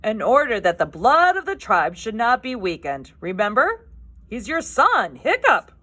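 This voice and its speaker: A woman's voice: high voice, very animated, unhurried, fairly bright tone, voice pushed up, full character voice. A woman voicing a stern old male tribal elder in a storybook reading, speaking in a pointed, knowing way.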